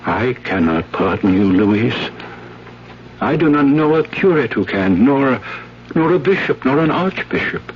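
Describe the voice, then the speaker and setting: A man's voice: medium pitch, lively intonation, a little slow, slight background noise, lightly acted. An actor playing a stern, fatherly Catholic priest, solemn and declamatory, in a 1970s radio drama. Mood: grave, stern. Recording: dull, humming 1970s radio recording.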